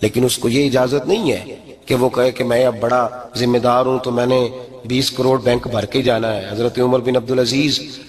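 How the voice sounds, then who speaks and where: A middle-aged man delivers a sermon to his listeners. His voice keeps climbing to high, emphatic peaks. He sits at a middle pitch for a man. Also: steady tone, moderate pace. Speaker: preacher.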